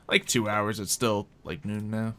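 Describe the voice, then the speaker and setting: A man acting as game master, improvising tabletop roleplay narration in an informal, halting, conversational way. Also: lowish voice, little pitch movement, pushed and bright, clear, resonant tone.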